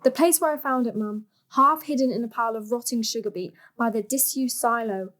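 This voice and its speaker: An actress as a young woman with a high voice in a stage drama. She is a cheeky, yearning daughter who speaks bluntly and pleads with real earnestness. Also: brisk, fairly bright tone, natural voice. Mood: persuading. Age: young adult.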